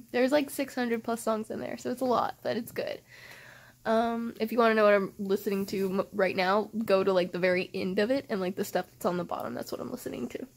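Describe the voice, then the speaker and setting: A woman's voice: a little high, creaky. A young woman vlogging in casual chat, gushing and swearing freely, with lots of fillers.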